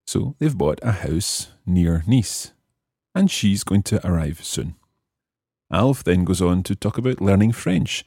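A man's voice: low voice, lively intonation, slow pace, gravelly, dark tone, husky, no room sound, studio quality. A man hosting a language lesson, explaining and repeating phrases for learners in scripted teaching narration.

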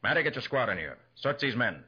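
An actor playing a sharp, confident male private detective, calm under pressure, in a 1940s radio drama. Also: mid-range voice, quick pace, breathy edge, heavily acted. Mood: commanding. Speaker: lead actor. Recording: dull old 1940s radio recording.

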